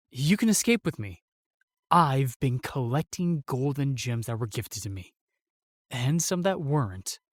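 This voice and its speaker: A man's voice: mid-range voice, no echo, studio quality. Man acting a solemn, remorseful fantasy knight. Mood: pained. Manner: halting, weighty storytelling with sighs and pauses. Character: solemn, remorseful knight, sworn protector of the realm. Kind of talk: fantasy audio drama acting.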